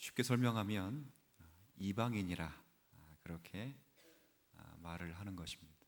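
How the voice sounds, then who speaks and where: Long, frequent pauses break up a man's fairly slow speech, which sits at a fairly low pitch with ordinary pitch variation. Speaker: pastor giving a sermon. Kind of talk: church sermon (expository preaching).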